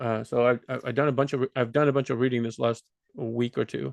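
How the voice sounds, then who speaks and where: A fairly quick-talking man at medium pitch, with fairly even intonation and a dry, close sound with no echo. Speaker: video essayist and book reader. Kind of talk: casual talk to camera.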